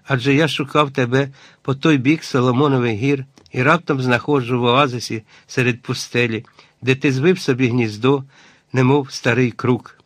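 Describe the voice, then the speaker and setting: A man voicing an emotional middle-aged gentleman reunited with a lost brother, speaking lower and heartfelt. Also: steady tone, normal speed, dry recording, natural voice. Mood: moved.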